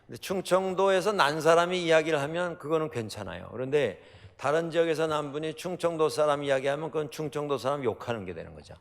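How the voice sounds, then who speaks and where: Hall reverb surrounds a middle-aged South Korean pastor from Chungcheong as he preaches in the sanctuary, using lots of fillers and rhetorical questions in his storytelling. He talks fast, with a fairly high, animated, creaky voice.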